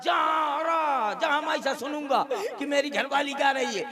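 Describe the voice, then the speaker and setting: A man performs a boastful, clowning comedy monologue on an open-air village stage, shouting and breaking into bits of song. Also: very high-pitched, normal speed, over music. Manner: shouted, boastful rustic clowning with sung snatches. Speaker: comic actor in a village Ramlila. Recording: crowd noise, open-air stage sound. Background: audience laughter.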